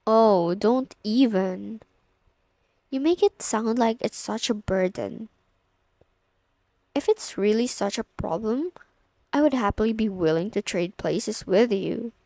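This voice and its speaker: Casting: actress as a friend's bossy older sister, young, teasing and coy, unhurried delivery, close dry sound for ASMR roleplay. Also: female voice, mid-range voice, mellow, no echo. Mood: weary, grumbling. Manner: casual, teasing, coy, lightly exasperated. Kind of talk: intimate ASMR audio roleplay.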